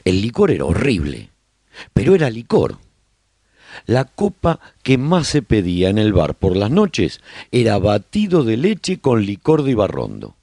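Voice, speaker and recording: Deep, gravelly male storyteller. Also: huge pitch swings, unhurried, dark tone, no echo, clean studio sound, heavily acted. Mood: reflective storytelling. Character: male survivor chronicling life in a post-apocalyptic colony. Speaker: narrator of a radio serial. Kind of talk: scripted first-person narration, radio drama.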